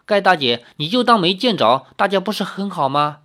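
A man puts on a spirited young tribal girl, high and lively in pitch. She sounds cheeky and quick to defy anyone in her way. Her lines come from a spoken storybook reading. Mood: defiant.

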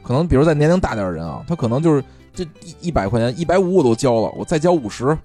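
A man's voice: mid-range voice, racing, soft background music. A man, a podcast co-host telling a story in casual chat, cursing freely and restarting his words. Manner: animated storyteller, swears freely, stammers restarts.

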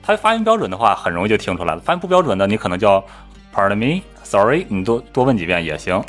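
Male podcast storyteller, pitch swings wide, lively and mimicking, casual chat. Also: racing, soft background music. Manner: animated storyteller, mimics voices. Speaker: podcast co-host telling a travel story.

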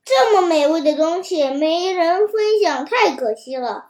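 A woman's voice: very high-pitched, lively intonation, measured pace, a little mellow. A woman reading a storybook who voices a sly, scheming old male lion with a wheedling, fake-friendly manner. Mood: fawning. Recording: roomy echo.

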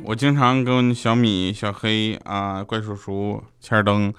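A man's voice: fairly low pitch, level tone, unhurried, fairly bright tone, clean tone, soft background music. A man hosting a radio show, telling a string of short jokes and acting out quoted voices. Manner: jokey, acts out quoted voices. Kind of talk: comic monologue of jokes.

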